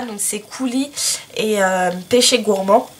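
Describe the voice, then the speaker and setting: A woman speaks with fairly even intonation. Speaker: craft hobby vlogger. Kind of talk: casual vlog. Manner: hesitant, many fillers. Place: home room. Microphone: phone near.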